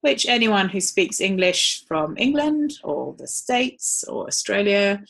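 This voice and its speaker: A woman's voice: mid-range voice, very animated, slow pace, gravelly, a bit bright. A woman giving a live webinar talk in a conversational way, with frequent ums. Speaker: webinar presenter.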